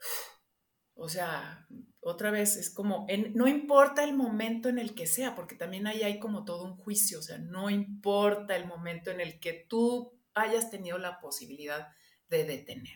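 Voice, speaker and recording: Big swings in loudness and lively intonation mark a woman's medium-pitched voice at a fairly slow pace. Audible room echo surrounds her. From Mexico, raised by English mother and French father. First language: English (speaking Spanish). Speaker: nutritionist and eating behaviour researcher. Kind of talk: casual interview chat. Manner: halting, many false starts.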